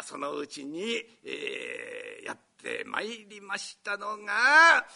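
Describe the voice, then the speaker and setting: An older Japanese man, a rakugo storyteller, gives a formal, theatrical performance in a hall, bursting into shouted character voices. His voice sits high and sounds creaky.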